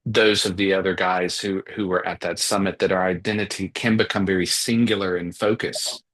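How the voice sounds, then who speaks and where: A man's voice: low voice, steady tone, normal speed, fairly bright tone. A man hosting a podcast interview, speaking reflectively and affirming his guest, often repeating words as he thinks aloud. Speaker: podcast host.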